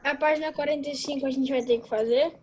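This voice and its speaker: Student, Brazilian Portuguese accent, high voice, flat and fast, faint noise. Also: female voice.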